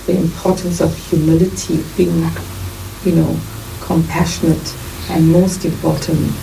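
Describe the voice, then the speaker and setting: A middle-aged South African woman, a nurse and midwife, giving earnest, measured interview answers. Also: deep voice. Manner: measured, earnest, lists things in steady runs. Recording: distant mic with clear background noise.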